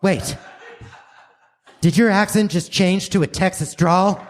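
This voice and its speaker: A man's voice: high voice, slow pace, pitched above the performer's own voice. A man playing an earnest, dramatic action hero in a live comedic radio play. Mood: urgent. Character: earnest heroic action sidekick, urgent and dramatic.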